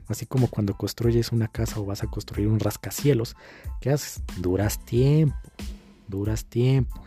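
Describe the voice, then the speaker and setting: A man with a low, mellow voice coaches his listeners on dating in a loose, crude-worded masterclass. He slips into quoted voices as he talks, and quiet music plays underneath. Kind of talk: motivational online masterclass.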